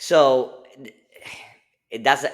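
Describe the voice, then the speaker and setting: At a very slow pace, a man talks with a Puerto Rican accent. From Puerto Rico. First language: Spanish. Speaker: karate instructor. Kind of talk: interview answer.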